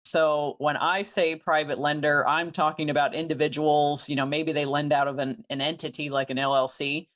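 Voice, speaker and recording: A woman who is a private money lender, speaking as an interview guest and explaining things clearly and methodically. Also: low voice, level tone, moderate pace, few pauses. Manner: articulate, methodical, explains step by step.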